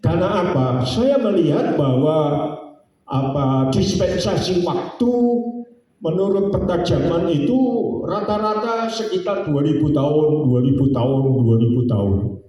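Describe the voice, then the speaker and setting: Slow, echoey elderly preacher. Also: male voice, on the high side, expressive, warm tone. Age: 70s. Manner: drawn-out, sing-song preaching with homely jokes. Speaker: pastor. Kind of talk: sermon. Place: church sanctuary. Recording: very echoey church hall, distant mic.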